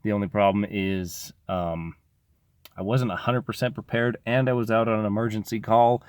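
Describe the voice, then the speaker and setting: This man speaks on the low side, at normal speed and with fairly even intonation, his tone clear and resonant. He's a locksmith chatting to camera about business, rambling with frequent fillers, worn out and going hoarse from illness. The audio is dry and studio quality.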